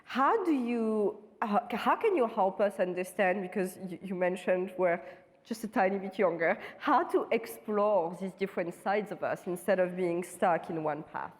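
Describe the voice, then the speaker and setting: A woman at a middle pitch interviews a guest on stage. She frames her questions appreciatively, and her voice carries a long hall reverb. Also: moderate pace. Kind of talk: onstage conversation. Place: large conference hall.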